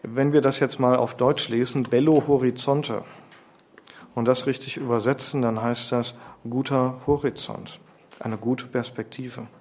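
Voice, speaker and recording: A man preaching a sermon, lecturing with rhetorical questions and slowing down to stress key phrases. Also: mid-range voice, fairly even intonation, a little mellow.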